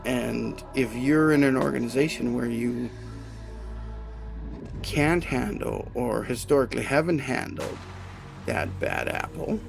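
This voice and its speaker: Guy hosting an hr live stream, chatty, keeps saying right?, bit of a gravelly voice. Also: mid-range voice, unhurried, over music. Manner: conversational, self-correcting, asks "right?" often. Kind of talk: casual livestream talk.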